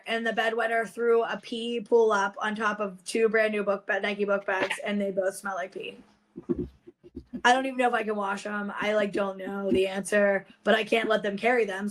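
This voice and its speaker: A woman's voice: mid-range voice, fairly even intonation, brisk, a little hiss or hum, poor audio. A woman and mother chatting casually, blunt and exasperated, with a self-mocking streak. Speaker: parent. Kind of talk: casual chat.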